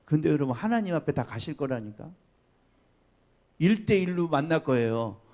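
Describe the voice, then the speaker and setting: A man preaching a Sunday sermon as pastor, chatty and lively, asking the congregation questions and laughing along. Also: a little high, moderate pace. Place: church sanctuary.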